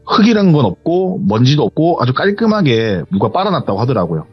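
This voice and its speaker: A man's voice: mid-range voice, brisk, slightly rough. A man retelling a viewer's horror story in a rambling, conversational way, on a muffled recording with faint music. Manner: retelling with hearsay endings, rambling and animated.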